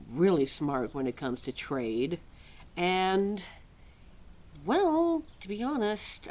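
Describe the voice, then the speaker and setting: A quirky, motherly keeper of forgotten lore, played by a woman in an audio roleplay. She speaks slowly in a low female voice that rises and falls a great deal. Her manner is wry and a little exasperated, with musing asides to the listener. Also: heavily acted. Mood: musing, informative. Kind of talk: ad-libbed ASMR-style roleplay, talking to a listener.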